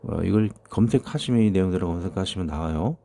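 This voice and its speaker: A man's voice: low voice, fast talker, gravelly, mellow. A man in his fifties preaching a sermon, reading out prophecies and commenting on them in a loose, conversational way with many fillers. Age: 50s. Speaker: pastor.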